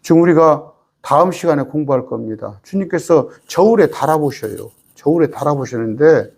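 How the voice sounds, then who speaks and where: A man's voice: a little high, expressive, normal speed, creaky, darkish tone. A male pastor with a Jeolla accent, preaching an emphatic, folksy Bible study sermon full of rhetorical questions. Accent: Jeolla Korean.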